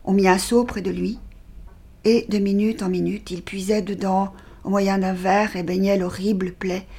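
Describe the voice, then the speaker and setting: A woman reads a dark story aloud in a husky, breathy voice of middling pitch. Her delivery is measured and dramatic, and at grim moments she sinks almost to a whisper. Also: level tone. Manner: measured, dropping to a near-whisper in grim passages. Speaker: actress reading a short story. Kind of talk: dramatic literary reading.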